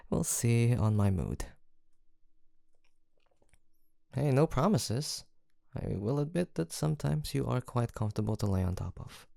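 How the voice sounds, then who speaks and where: A man's voice: medium pitch, vocal fry, no room sound, studio quality. A young man playing a college-aged best friend in an intimate audio roleplay, teasing and affectionate in a casual, playful way. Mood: easygoing banter. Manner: casual, playful, murmured hesitations and soft laughs.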